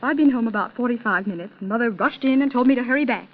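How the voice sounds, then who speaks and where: A woman's voice: on the high side, quick pace. An eighteen-year-old woman from Salt Lake City, interviewed on a 1930s radio program, answering in a modest, chatty way. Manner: modest and chatty, with light laughs. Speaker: interview guest, contest champion. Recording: tinny, thin old radio recording.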